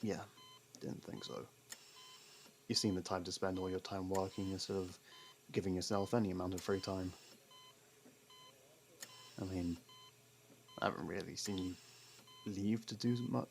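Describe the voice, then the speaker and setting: A man acts out a guarded male convict in an intimate audio roleplay, his voice low and heavy with fry. He is sardonic and defensive, stumbling over denials that he cares. Clear noise sits behind the voice. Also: steady tone, moderate pace, pauses often. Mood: prodding, evasive. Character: gruff, guarded convict partner secretly fond of a detective.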